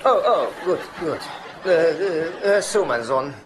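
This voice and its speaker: A needy, easily offended sitcom dad. He stammers and whines with lively swings of pitch. Studio laughter and noise sit in the TV soundtrack. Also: a little slow, a faint crowd. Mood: drunk, maudlin. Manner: hesitant, indignant, stammering. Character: whiny, needy divorced dad, a chiropractor. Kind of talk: German-dubbed TV sitcom acting.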